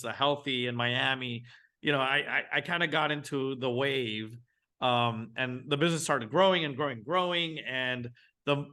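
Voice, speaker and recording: A man, telling his business story as a guest in a casual interview, animated and often restarting his sentences. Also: mid-range voice. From Venezuela. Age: 40s. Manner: animated, frequent restarts, acts out his own thoughts. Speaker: guest entrepreneur.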